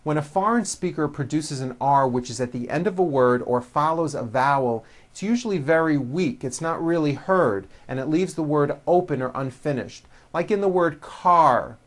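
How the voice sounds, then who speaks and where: A pronunciation teacher narrating a language lesson, giving instructions and enunciating example words with deliberate emphasis for the learner to repeat. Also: mid-range voice, expressive. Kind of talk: language lesson narration with slow, repeat-after-me word drills.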